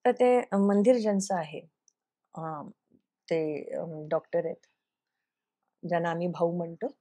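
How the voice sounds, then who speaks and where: Earnest actress telling a personal story. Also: female voice, lowish voice, unhurried, mellow. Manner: earnest, recounts events by acting out quoted dialogue; slips English phrases into her speech. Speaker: television actress, interview guest.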